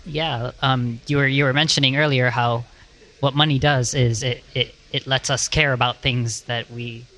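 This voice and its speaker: A man in a roundtable discussion, speaking in a measured way. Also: mid-range voice, steady tone, sharp tone. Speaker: roundtable participant.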